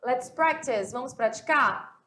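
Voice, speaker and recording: A woman with a Brazilian Portuguese accent teaching a recorded English lesson, explaining slowly and repeating words, often checking in with her students. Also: high-pitched, expressive, sharp tone.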